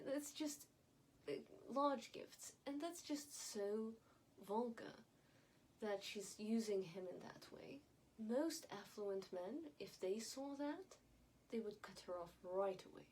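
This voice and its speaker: A Yemeni woman, for whom English is her fourth language, offers opinionated commentary to viewers online with careful, emphatic elocution. Her voice is on the high side and a little mellow, and the low-quality recording has clear background noise.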